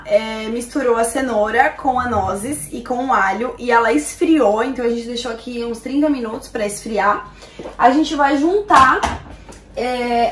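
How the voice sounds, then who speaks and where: A woman's voice: high-pitched, fairly bright tone. A young woman hosting a casual home cooking show, chatty, often checking in with listeners. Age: young adult. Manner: chatty, with filler "tá?" tags. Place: home kitchen and living room, indoors.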